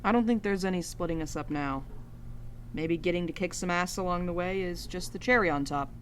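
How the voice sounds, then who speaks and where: Woman acting as Val, low-voiced, wry sceptic. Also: brisk, natural voice. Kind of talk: audio drama podcast acting. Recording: clear background noise, ambient sound bed.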